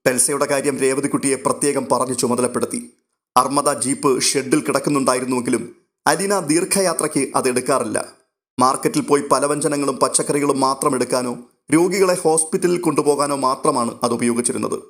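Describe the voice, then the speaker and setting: Man narrating a serial story, even and measured, mid pitch. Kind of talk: scripted narration of a serial novel.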